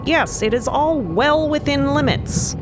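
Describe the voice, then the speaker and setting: A woman voicing a calm, formal male otherworldly being with precise, stilted phrasing, protective in temper, in an audio drama. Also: high-pitched, unhurried, music in the background, voice pushed up. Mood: solemn, reassuring.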